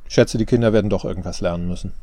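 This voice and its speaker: A man's voice: deep voice, fairly even intonation, rapid-fire, warm tone, dry recording, natural voice. A man voicing a wry, mocking older father. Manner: dry, mocking, asks questions back. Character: wry teasing older father who smokes cigars.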